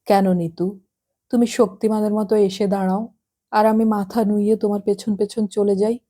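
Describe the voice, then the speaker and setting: A woman reading an audiobook, voicing a weary, bitter young man, a former boxer, who speaks quietly in brooding questions. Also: high-pitched, flat delivery, normal speed, voice pushed up.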